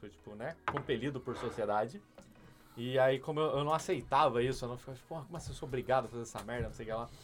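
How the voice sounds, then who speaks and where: Talking at a very fast pace, a man uses a medium pitch with ordinary pitch variation. His loudness swings a lot. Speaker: podcast co-host. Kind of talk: casual chat.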